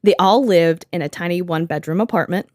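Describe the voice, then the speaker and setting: A woman hosting a podcast in an easy, sarcastic chat, laughing often and swearing freely. Her voice sits a little low and the sound is dry and close to the mic. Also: a little fast, darkish tone, no room sound. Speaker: podcast host. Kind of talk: casual chat.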